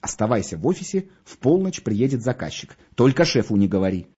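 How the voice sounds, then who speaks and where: A man voicing a young office schemer who rattles off plans in a hurried voice. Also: medium pitch, very animated, mellow, muffled recording, slight background noise, lightly acted. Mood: scheming. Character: pushy, fast-talking young male office schemer.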